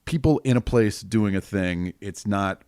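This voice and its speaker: A middle-aged man with a deep voice, an improv performer and teacher talking casually in a podcast interview, often acting out bits of scenes. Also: no room sound, studio quality. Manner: animated, acts out quick bits of scenes with laughs.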